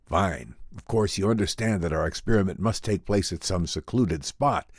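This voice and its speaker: A man voicing an earnest, learned inventor professor in a dramatic radio-style reading, formal, deliberate and explanatory. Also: low-pitched, slightly rough, no room sound, studio quality. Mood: brisk, official. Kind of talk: dramatic audiobook reading in old-time radio drama manner.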